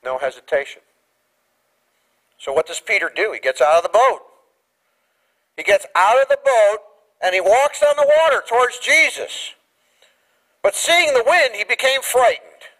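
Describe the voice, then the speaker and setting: A male pastor preaching a sermon, going from quiet talk to raised emphasis and acting out quoted lines. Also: very high-pitched, normal speed, long pauses, rough recording. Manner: animated preaching that swings from quiet to raised and loud; acts out quoted lines in little voices. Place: church sanctuary.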